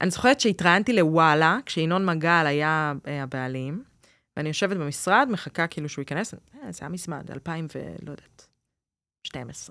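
Her voice very deep and low in pitch, a woman speaks at a moderate pace in an animated tone with lively intonation and big swings in loudness, on a very clean recording with a silent background. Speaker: podcast host and wine expert, guest. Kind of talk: casual interview chat.

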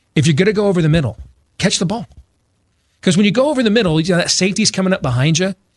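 The recording is dry and close with no echo as a man talks in an American accent. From Michigan, US Midwest. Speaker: talk radio host. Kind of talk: political talk radio.

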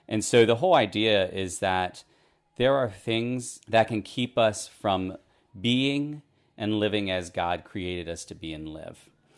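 A man speaks in a normal speaking voice with a fairly low pitch. His pace is fairly slow. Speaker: podcast host and missionary trainee. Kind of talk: fervent prayer then reflective conversation. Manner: earnest, fervent, devout.

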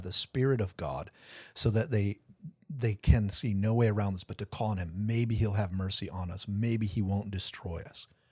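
In a very clean recording with a silent background, a man speaks at a moderate pace. His fairly low voice is somewhat breathy. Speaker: professor and pastor. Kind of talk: casual interview chat.

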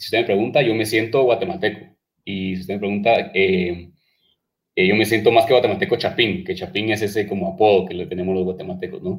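Somewhat breathy, a man rattles off his words very fast. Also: fairly low pitch for a man, ordinary pitch variation. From Guatemala. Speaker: podcast host. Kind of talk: interview. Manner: hesitant, many fillers.

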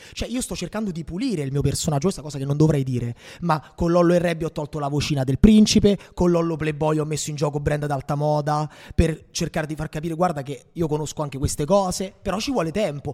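A man with a fairly high pitch and a dark, mellow tone talks at a very fast pace. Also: ordinary pitch variation. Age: 20s. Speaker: TikTok creator and economics student. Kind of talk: casual chat.

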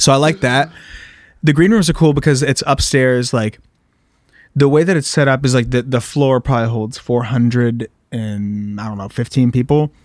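A man with an American accent speaks in an animated tone at a moderate pace and medium pitch, in a very clean recording with a silent background. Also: ordinary pitch variation. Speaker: podcast host and singer. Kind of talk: casual chat. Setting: outdoors on a balcony.

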